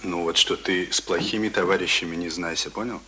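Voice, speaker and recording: An actor playing a self-important middle-aged visitor in a Russian radio drama, moralizing in a pompous, repetitive way. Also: male voice, sits low, fairly even intonation, brisk, a crowd in the background, lightly acted. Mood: preachy. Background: loud accordion and music.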